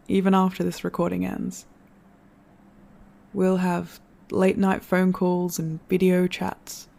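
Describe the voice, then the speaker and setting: An actor playing a reflective storyteller in an audio drama, giving an earnest, measured farewell address to listeners. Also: mid-range voice, gravelly, mellow. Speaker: narrator.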